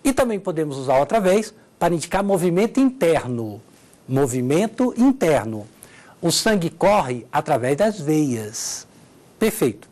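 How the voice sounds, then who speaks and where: In a televised lesson, a woman with a Brazilian Portuguese accent teaches Portuguese grammar, walking through examples and checking in with her listeners. Her voice is deep and dark, with big pitch swings and a slightly slow pace.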